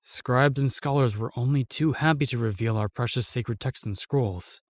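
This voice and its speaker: A man playing a solemn, remorseful knight in a fantasy audio drama, telling things in a halting, weighty way. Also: mid-range voice, no echo, studio quality, lightly acted. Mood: grave, reluctant. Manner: halting, weighty storytelling with sighs and pauses. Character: solemn, remorseful knight, sworn protector of the realm.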